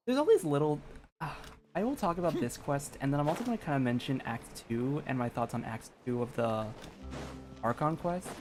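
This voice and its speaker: A young woman giving casual, slangy, rambling commentary while playing a video game. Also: extremely low pitch. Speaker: gaming streamer.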